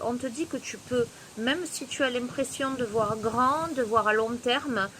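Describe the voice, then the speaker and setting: Woman, southern French accent, chatty tarot reader, slightly high voice, outdoor terrace, faint background noise. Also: fairly bright tone. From Marseille, southern France. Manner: chatty, laughs often, addresses viewer directly. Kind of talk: casual tarot reading vlog. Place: outdoor terrace on a windy day. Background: faint wind noise.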